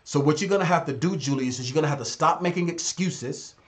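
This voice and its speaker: A man's voice: fairly high pitch, fast talker. A man in his thirties, a business consultant giving blunt, exhorting advice on a live stream and repeating phrases for emphasis. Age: 30s.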